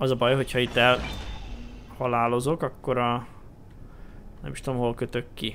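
A man's medium-pitched, monotone voice at a moderate pace, with long, frequent pauses and flat intonation. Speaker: gaming video creator. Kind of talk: let's play commentary.

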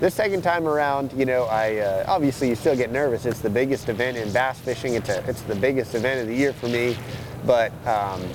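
A man at a fairly quick pace with ordinary pitch variation, music in the background, and a dry sound with no echo. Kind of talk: interview answer. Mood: relaxed, upbeat. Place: hall.

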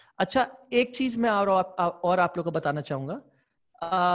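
Music plays in the background as a man speaks. His voice is high, with lively intonation. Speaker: online course instructor. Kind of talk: lecture. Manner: casual, code-switching with English.

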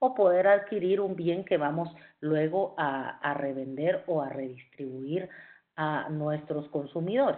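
The voice moves at a fairly slow pace over a quiet background. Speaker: teacher. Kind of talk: lecture. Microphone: video call.

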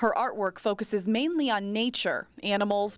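A woman's ordinary speaking voice, fairly high in pitch, with lively intonation and a fairly slow pace, on a very clean recording with a silent background. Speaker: TV news reporter. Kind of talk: local TV news report.

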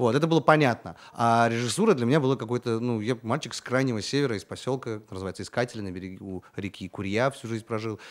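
In a quiet background, a man speaks fairly quickly with lively intonation. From Russian Far North. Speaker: film director; guest. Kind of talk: interview. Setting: studio. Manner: energetic. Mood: calm, reflective. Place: studio. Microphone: studio mic.

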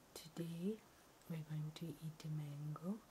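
A woman whispering, soft-spoken and somewhat breathy, at a very slow pace over noticeable background noise. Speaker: ASMR creator. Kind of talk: ASMR eating video. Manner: whispered, soft-spoken.

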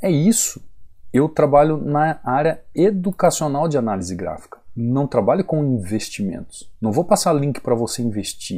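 With a dark, mellow tone and a somewhat breathy quality, a man's fairly high voice moves through very wide pitch swings at a moderate pace. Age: 40s. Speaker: trading instructor. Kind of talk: tutorial.

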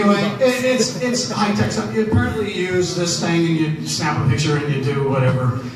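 A man with an American accent talks at a fairly quick pace. Audible room echo surrounds him, along with loud background noise. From Oregon. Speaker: former radio host, state legislator. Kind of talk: event emcee monologue. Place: hall.

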